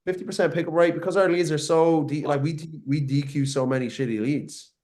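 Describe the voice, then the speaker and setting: A man in his twenties, a brash and profane guest on a podcast over a video call, talking in quick bursts and repeating himself. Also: on the high side, fairly even intonation, a little mellow. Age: 20s. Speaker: guest, marketing agency owner. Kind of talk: casual podcast interview.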